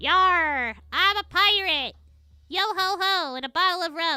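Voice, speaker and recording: Faint music plays behind a woman using a put-on character voice at an extremely high pitch and a fairly slow pace. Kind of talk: exaggerated pirate talk. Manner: gruff, playful.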